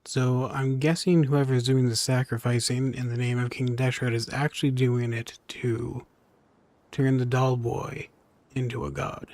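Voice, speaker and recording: A man chatting casually as he livestreams a game, informal and thinking out loud. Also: medium pitch, little pitch movement, unhurried. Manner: informal, chatty, muses aloud. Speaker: game streamer. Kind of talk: casual livestream chat over gameplay. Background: game music.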